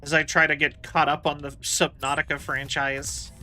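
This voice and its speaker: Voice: medium pitch, little pitch movement, normal speed, bright, forceful tone, soft background music. A game streamer giving casual live commentary, rambling and thinking aloud while playing. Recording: clear game noise behind voice.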